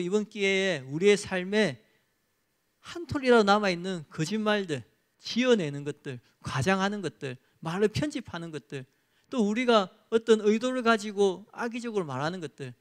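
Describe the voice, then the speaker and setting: A male pastor preaching a sermon and leading a closing prayer in an earnest, exhorting manner. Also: high-pitched.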